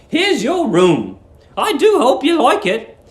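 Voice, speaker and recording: A man voicing a sweet, fussy middle-aged English landlady in a storybook reading, eerily kind, with drawn-out, gushing phrases. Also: very high-pitched, wildly swooping pitch, roomy sound, voice pushed up, heavily acted. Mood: cooing, welcoming. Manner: drawn-out, gushing, cooing delivery.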